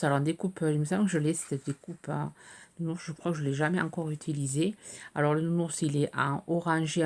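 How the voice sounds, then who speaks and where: A middle-aged woman with a low, gravelly voice talks casually through craft pieces she received. She hesitates often, filling gaps, and her voice cracks a little now and then. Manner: hesitant, many "euh" fillers, chatty. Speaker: craft video host. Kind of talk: casual show-and-tell of mail.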